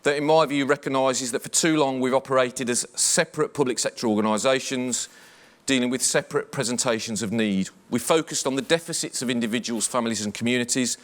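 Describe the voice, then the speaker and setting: A man with a Black Country accent delivers a measured, formal briefing from the podium. His pitch sits mid-range, and he speaks as a senior police officer addressing a conference audience. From English West Midlands. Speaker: police chief superintendent. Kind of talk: conference presentation.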